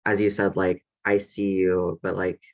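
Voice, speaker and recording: A man's voice: sits low, completely flat delivery, unhurried. A young man on a student panel, speaking hesitantly with lots of filler words over a video call. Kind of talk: casual panel discussion.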